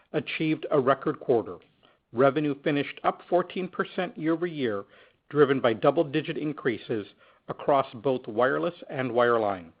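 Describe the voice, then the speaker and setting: Businesslike man on a dull-sounding conference call. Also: medium pitch. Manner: measured, businesslike, reading prepared remarks. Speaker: company finance executive. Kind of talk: scripted earnings call presentation.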